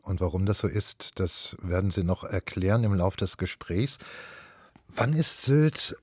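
A man hosting a radio interview, introducing his guest and asking questions in a measured, articulate way. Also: deep voice, animated, darkish tone, husky, no echo. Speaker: radio host.

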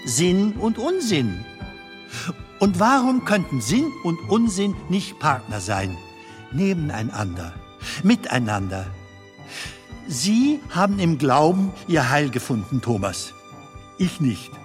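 Casting: male actor for philosophizing comic wanderer, audio drama. Higher male register, swinging intonation, halting, playful delivery, faint music beneath. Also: very animated. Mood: earnest, musing. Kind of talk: German audio drama dialogue.

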